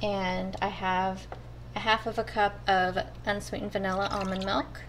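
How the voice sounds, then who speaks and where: Speaking at a normal speed against a noisy background, a woman uses a medium pitch that barely moves. The cooking vlogger chats her way step by step through meal prep at home, addressing her viewers as "you guys."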